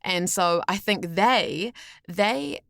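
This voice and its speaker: A woman's voice: mid-range voice, extremely slow, vocal fry, dry recording. A young adult woman with a New Zealand accent, talking candidly and expressively as a guest in a casual podcast conversation. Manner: candid, expressive, wordy with self-corrections. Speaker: guest, voice actor.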